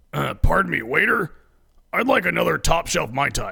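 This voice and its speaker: In a raspy put-on character voice, a man speaks at a moderate pace. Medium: audio drama. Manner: casual, easygoing.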